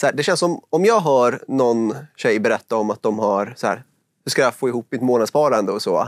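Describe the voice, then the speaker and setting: Speaking at a fairly quick pace, a man uses an unremarkable speaking voice at medium pitch with ordinary pitch variation. The background is quiet, and the sound is dry with no echo. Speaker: podcast host. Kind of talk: interview. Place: studio. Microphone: lapel.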